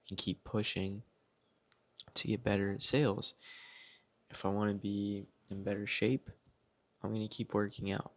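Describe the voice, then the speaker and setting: A young man talking casually to the camera at home in a vlog, reflective and self-motivating. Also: on the low side. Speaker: vlogger. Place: at home, indoors.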